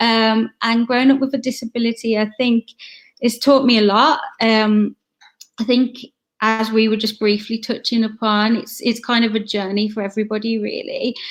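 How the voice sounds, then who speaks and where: Somewhat breathy, the voice has a Midlands accent and moves at a moderate pace with monotone, flat intonation. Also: woman. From English Midlands, near Birmingham. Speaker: entrepreneur. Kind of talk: interview conversation.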